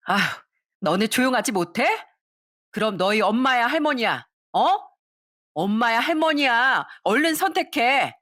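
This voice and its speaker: A woman's voice: on the high side, very animated, normal speed, fairly bright tone, pitched above the performer's own voice. A woman voicing a callous young daughter-in-law who talks down sharply and dismissively. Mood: cold dismissive.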